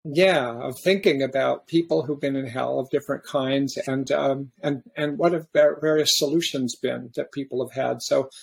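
A man hosting a podcast in a casual, reflective way, often halting and restarting his sentences. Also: mid-range voice, fairly even intonation, creaky, husky. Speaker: podcast host.

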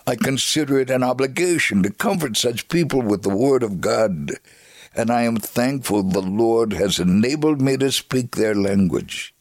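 A man performing a dramatic reading as an earnest, devout Jewish man recounting his life in a measured, solemn way. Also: mid-range voice, creaky, no echo, studio quality. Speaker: dramatic reader. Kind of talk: scripted dramatic reading of a memoir.

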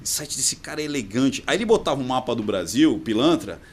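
Lively Brazilian man as a podcast guest. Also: medium pitch, a little fast, slightly rough. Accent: Brazilian Portuguese. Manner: chatty, reminiscing, slangy. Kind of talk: casual conversation.

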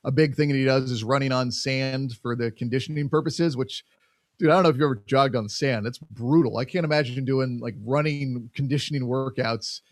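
A young man co-hosting a casual soccer chat, animated, with lots of fillers and acted-out quotes. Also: mid-range voice, brisk, no echo, clean studio sound. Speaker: podcast co-host covering soccer.

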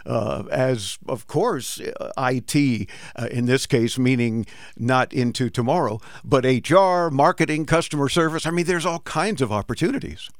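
A man's voice: mid-range voice, normal speed, hardly any pauses, no room sound, clean studio sound. A man hosting a consumer tech radio show, with upbeat, promotional host patter.

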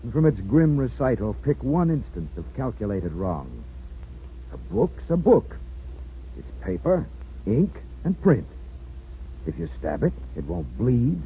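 A man's voice: medium pitch, sing-song, a little slow, phone-quality sound, slight background noise. An actor playing a grave, impassioned male narrator in a 1940s radio drama, solemn and declamatory, on an old recording. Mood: grim, then bitter, urgent. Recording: old 1940s radio recording, band-limited, music behind.

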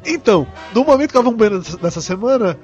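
A man's voice: high-pitched, animated, quick pace, dull audio, over loud music. A man with a Brazilian accent hosting a casual podcast in an informal, joking way, swearing freely. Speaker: podcast host.

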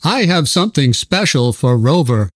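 A man's voice: on the high side, very animated, moderate pace, slightly rough. A man voicing a friendly male school principal who makes cheerful announcements in a storybook.

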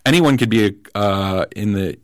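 A man with a lowish voice, thinking aloud in a relaxed political chat. He halts and restarts often as he works through ideas. The sound is dry and close, with no room around it. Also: no room sound. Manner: thoughtful, halting, many restarts. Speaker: podcast guest. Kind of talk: casual political conversation.

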